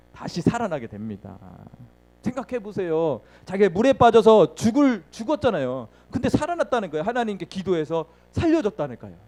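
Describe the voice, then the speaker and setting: A man's voice: high voice, a little mellow. A man preaching a sermon, asking the congregation questions and answering them himself, acting out the story with sound words and laughing often.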